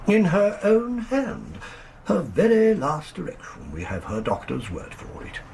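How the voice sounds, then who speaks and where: Radio drama: hesitant, pompously formal middle-aged solicitor, higher-pitched, very animated intonation. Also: male voice, a little slow, exaggerated voice. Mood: fussy, formal. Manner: fussy, formal, hesitant, throat-clearing. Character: fussy, hesitant English male country solicitor. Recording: faintly noisy 1980s radio drama recording.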